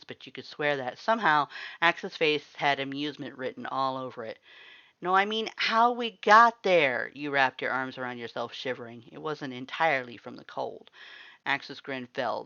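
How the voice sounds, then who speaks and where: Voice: mid-range voice, pushed and bright, smooth, no echo, lo-fi sound. A narrator reading fan fiction aloud as a story, in a scripted audiobook style.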